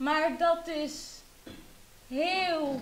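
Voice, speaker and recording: The intonation stays fairly even. Clear background noise is audible. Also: woman, extremely high pitch for a woman. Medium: stage play. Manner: slow, confused, fussy.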